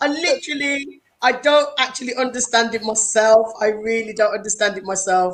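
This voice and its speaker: A woman speaks in a Wolverhampton accent with an animated tone and a fairly high pitch. Her moderate pace runs on with hardly any pauses. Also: ordinary pitch variation. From West Midlands, Wolverhampton. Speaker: actor and director. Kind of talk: casual interview.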